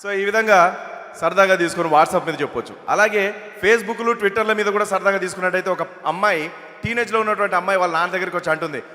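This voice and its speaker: Telugu-accented male mimic, quick and animated, high voice, stage reverb. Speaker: mimicry artist. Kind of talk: stand-up mimicry act. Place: stage at a film launch event.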